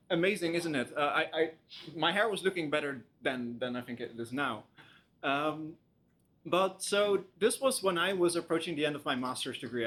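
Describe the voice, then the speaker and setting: A man's voice: fairly high pitch, fairly bright tone. Wry young male guest lecturer. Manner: self-deprecating and wry, many "um"s. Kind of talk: conversational academic lecture. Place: university lecture room.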